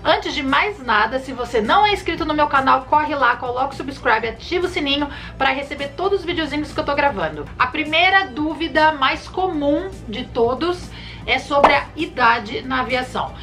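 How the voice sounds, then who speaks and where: High-voiced chatty woman vlogger. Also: normal speed, music in the background. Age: 30s. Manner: chatty, animated hand gestures, addresses viewers warmly by nicknames. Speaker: flight attendant vlogger. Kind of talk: casual advice chat to camera. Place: bedroom, indoors. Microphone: camera in front at chest framing.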